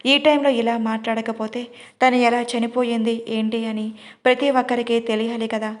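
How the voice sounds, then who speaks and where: A woman doing a scheming middle-aged aunt in a storybook audio drama, snapping back with sharp, scolding retorts. Her voice is fairly high and flat. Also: normal speed, lightly acted.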